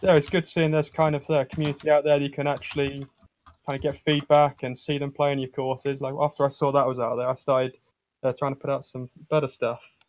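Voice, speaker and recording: A man's voice: medium pitch, flat delivery, a little fast, no room sound. A man chatting casually as a guest on a gaming stream, hesitant and modest in his way of talking. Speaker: guest golf course designer on a gaming stream. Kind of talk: casual chat.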